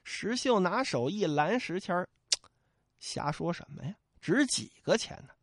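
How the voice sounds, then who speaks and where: A male storyteller voicing a steady fighter who speaks low, calm and firm. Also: unhurried, dry recording, studio quality, heavily acted.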